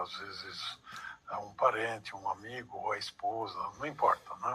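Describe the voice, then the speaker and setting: A man's fairly slow delivery comes through noticeable background noise. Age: 70s. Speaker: study group participant. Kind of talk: group discussion. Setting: video call. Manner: halting.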